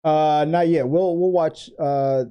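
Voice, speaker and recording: A man's voice: on the high side, fairly even intonation, slow, warm tone, smooth. A man co-hosting a casual podcast chat who rambles, restarts his sentences and laughs easily. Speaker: podcast co-host.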